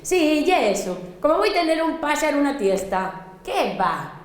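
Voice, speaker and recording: Asturian woman storyteller playing a little girl, higher voice, roomy echoey room. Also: moderate pace. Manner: plays a small girl, lively and mock-dreamy. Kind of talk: theatrical storytelling monologue.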